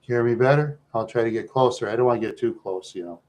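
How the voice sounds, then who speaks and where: A man with an American accent chatting casually to viewers as a livestream host, rambling along in a talkative, halting way. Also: medium pitch, muffled recording.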